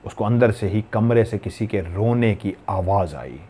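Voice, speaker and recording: A man's voice: on the low side, expressive, unhurried, mellow, a little hiss or hum. Male storyteller from Pakistan, suspenseful horror narration. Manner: dramatic, suspenseful.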